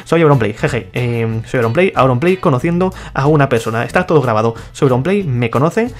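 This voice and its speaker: A man's voice: mid-range voice, animated, fairly quick. A young man from giving casual, playful commentary over gameplay, laughing often and reading other players' chat aloud. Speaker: gaming YouTuber.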